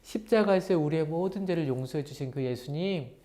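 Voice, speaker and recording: A woman pastor telling a Bible story to children in an animated way, asking them questions as she goes. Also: deep voice, a little fast. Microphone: lapel mic.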